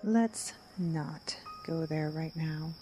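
An actress playing a level-headed woman who tries to keep the peace, speaking in a measured, placating way in an audio drama. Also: low-pitched, dark tone. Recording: music bed under voice.

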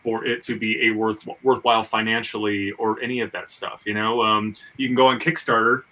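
A man's voice: fairly low pitch, level tone, fairly quick, sharp tone, far from the mic, low-quality recording. A man talking casually as a podcast co-host, enthusiastic and rambling, often stammering and repeating words as he thinks. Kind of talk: casual conversation about making independent comics and audio.

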